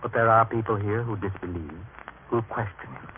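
An actor playing an older, knowing temple-goer who speaks in a measured, confiding way in a vintage radio drama. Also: male voice, on the low side, close to an everyday voice. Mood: grave, confiding. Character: older, knowing man hushing others in temple. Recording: tinny, noisy old radio recording.

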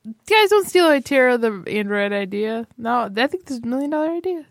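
A woman's voice: a little high, animated, brisk, no echo, studio quality. A woman co-hosting a podcast, joking crudely and bubbly in casual banter. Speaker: podcast co-host.

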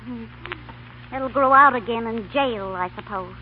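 A woman's voice: on the high side, unhurried, phone-quality sound, natural voice. An actress playing a brassy, street-smart young American chorus girl, brash and slangy, in a 1930s radio comedy. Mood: wary. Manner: brash, slangy, plain-spoken. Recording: thin, noisy 1930s radio broadcast.

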